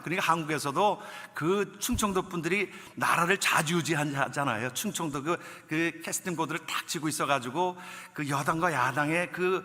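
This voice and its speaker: Man preaching, bright ringing voice. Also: on the high side. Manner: swings between loud preaching and quiet storytelling asides. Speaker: pastor. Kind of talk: sermon. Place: church sanctuary. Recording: long hall reverb.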